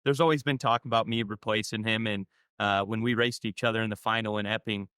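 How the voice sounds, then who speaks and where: A man's voice: fairly low pitch, fairly even intonation, brisk, fairly bright tone, clear, resonant tone, no room sound, studio quality. A young adult man, a drag racing driver, talking candidly and easygoingly in an interview. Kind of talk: casual interview answers.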